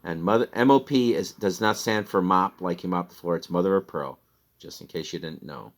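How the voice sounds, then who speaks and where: A man with a Midwestern American accent, chatting casually in a rambling way about items he resold. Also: sits low. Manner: rambling, chatty, laughs at himself. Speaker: online reseller. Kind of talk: casual sales recap chat.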